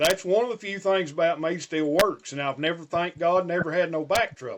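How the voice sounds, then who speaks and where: At a moderate pace, a man talks in a Southern US accent with a high pitch. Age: 50s. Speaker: diesel mechanic. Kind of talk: casual chat.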